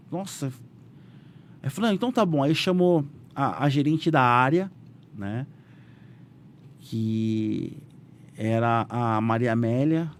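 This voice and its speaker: A businessman with a Brazilian Portuguese accent, a guest telling his story animatedly in a casual interview and acting out quotes. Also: slight background noise. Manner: animated, voices quotes with raised pitch, frequent "né?" fillers.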